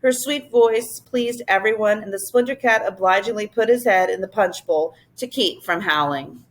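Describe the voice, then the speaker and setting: Teacher narrator, woman, mid-pitched: steady, expressive read-aloud of a children's book. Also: normal speed, poor audio. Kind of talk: reading a children's novel aloud.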